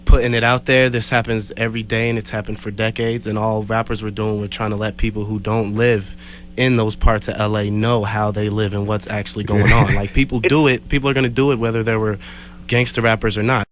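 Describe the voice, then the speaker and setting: Male talk-radio host, fairly low register, chatty and explanatory, slight background hum. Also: little pitch movement, fairly quick. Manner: conversational, explanatory, says "like" often. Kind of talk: casual talk radio chat.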